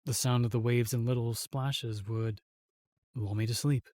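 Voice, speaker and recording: Guy acting as earnest protective knight, formal n courteous, mid pitch, close dry recording, fantasy roleplay. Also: fairly even intonation, unhurried, darkish tone, dry recording, lightly acted. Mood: gentle, courteous. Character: gallant, protective male knight, earnest and reserved.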